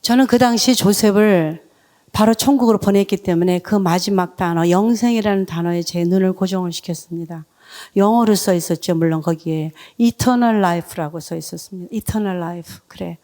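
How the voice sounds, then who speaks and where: A woman's voice: on the low side, moderate pace, mellow. A middle-aged woman, a deaconess, tells her story as a testimony at a church revival, reaching out to the congregation. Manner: emotional storytelling, leads congregation in reading.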